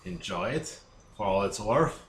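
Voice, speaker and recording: A brawny, dim god, played by a man at a game table brags in short deadpan bursts. The delivery is very slow, in an echoey room with slight noise behind it. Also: lowish voice, pitched below the performer's own voice. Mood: boastful. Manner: terse, deadpan bragging. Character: boastful, dim, brawny gold-headed god. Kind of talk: tabletop role-play.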